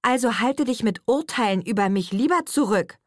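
A woman's voice: a little high, expressive, normal speed, dry recording, clean studio sound, voice pushed up. A woman reading an audiobook, playing a cocky young man who speaks in a sarcastic, teasing way. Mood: mocking.

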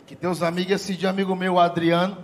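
A middle-aged man doing a stand-up comedy routine on stage, profane and animated, talking straight to the live audience. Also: high-pitched, quick pace, a little hiss or hum.

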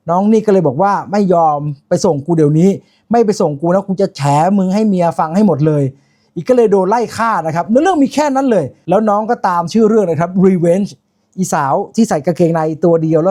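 A man's voice: sits high, darkish tone. A man giving a casual spoken film review, chatty and informal, with lots of asides and self-corrections.

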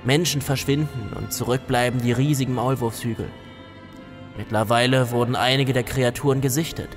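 A man playing a courteous, grave gentleman who reads out a letter formally in a horror audio drama. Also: mid-range voice, steady tone, moderate pace, faint music behind, lightly acted.

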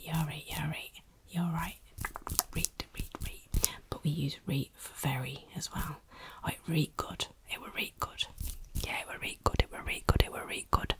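A woman from Yorkshire with a Yorkshire accent, whispering softly and repeating dialect words over and over in an ASMR style. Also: sits low. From Yorkshire, England. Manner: soft repetitive whispering of single words.

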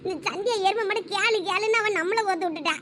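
A young woman as a whiny young college girl, sulking and protesting. The voice is very high and quick, and it has a bright, tense tone. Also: slight background noise. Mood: sulky. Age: young adult. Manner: whiny, complaining. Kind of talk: village comedy sketch.

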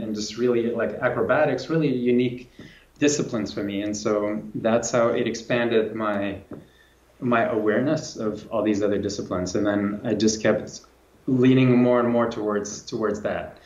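A man's voice: medium pitch, darkish tone. A man in his forties from Lithuania, a coach telling his story reflectively in an interview over a video call. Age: 40s. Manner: reflective, many restarts and repeats. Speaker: guest, movement and strength coach. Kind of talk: casual interview talk. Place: home room with plants and guitar, indoors. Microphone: video call, camera at a distance. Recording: roomy, dull video call audio.

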